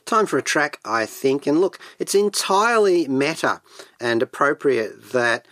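A man's voice: a little high, lively intonation, measured pace, a bit bright, no echo. A man hosting a radio show alone, chatting enthusiastically in a geeky, rambling way with frequent asides. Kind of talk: chatty solo radio monologue. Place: radio studio.

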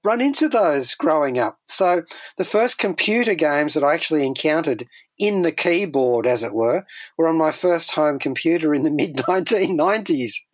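A man's voice: fairly high pitch, animated, normal speed, no echo. A man hosting a pop culture radio show in a chatty, wordy way, with whimsical turns of phrase and wry asides. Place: dry radio studio.

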